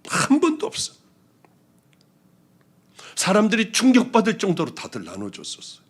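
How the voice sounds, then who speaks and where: A male pastor giving a testimony sermon, telling his story with strong feeling and moving between hushed and loud passages. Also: sits high, wildly swooping pitch, moderate pace, slightly rough.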